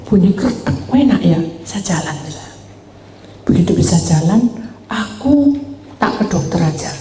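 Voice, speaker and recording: A woman pastor preaches in a lively storytelling way and acts out the people in her stories. Her voice is mellow and dark. The sound is echoey, with a long reverb from a large church hall. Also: on the low side, slight background noise. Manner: animated storytelling, acting out quoted voices, addresses congregation. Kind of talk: sermon.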